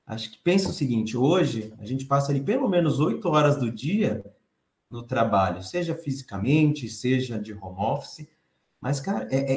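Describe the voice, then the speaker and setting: Soft-voiced Brazilian man giving a talk. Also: medium pitch, roomy sound. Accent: Brazilian Portuguese. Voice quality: soft, light voice. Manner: conversational, expressive, reads the chat aloud. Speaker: conference speaker. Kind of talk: conference talk.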